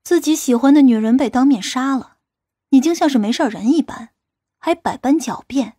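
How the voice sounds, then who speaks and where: A woman plays a stern female police squad leader in an audiobook drama. Her voice is high, and she speaks in a commanding, sharp-tongued, scolding way. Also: normal speed, husky, no room sound, studio quality. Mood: angry. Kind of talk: acted audiobook dialogue.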